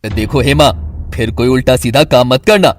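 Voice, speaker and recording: A man's voice: mid-range voice, normal speed, slight background noise, close to an everyday voice. A man playing a wisecracking easygoing father-in-law. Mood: joking. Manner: teasing, wisecracking. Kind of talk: animated cartoon voice acting.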